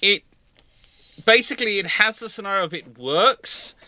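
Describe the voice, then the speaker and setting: Bright-voiced, higher-pitched man hosting. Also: lively intonation, moderate pace, poor audio. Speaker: host of a live naval history question show. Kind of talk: casual live Q&A chat.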